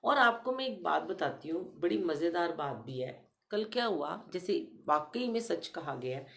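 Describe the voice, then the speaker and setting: A middle-aged woman giving a gentle devotional talk to her congregation, telling personal stories. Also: fairly low pitch, expressive, unhurried, gravelly. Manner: gentle storytelling, addresses listeners as "sangat ji". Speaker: spiritual speaker addressing congregation.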